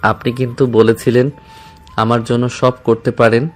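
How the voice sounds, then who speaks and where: A man's voice: medium pitch, flat delivery, moderate pace, lightly acted. A man playing an anxious young husband who worries and pleads in a dramatized love story. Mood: reproachful, pleading. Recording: music under the voice.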